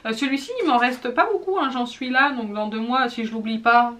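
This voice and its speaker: A woman's voice: fairly high pitch, brisk, pushed and bright. Woman, 30s, casual beauty vlogger; chatty, self-mocking, raised voice. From France. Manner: chatty and self-teasing, many fillers and restarts. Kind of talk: casual product review vlog.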